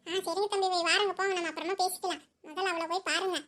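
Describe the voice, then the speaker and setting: Woman doing a super high-pitched auntie, rattles on fast, fussy and chatty, cartoon. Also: steady tone, fairly bright tone. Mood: fussing, welcoming. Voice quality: very high, quick and fussing. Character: chatty middle-aged village woman, elder sister-in-law. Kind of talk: cartoon voice acting.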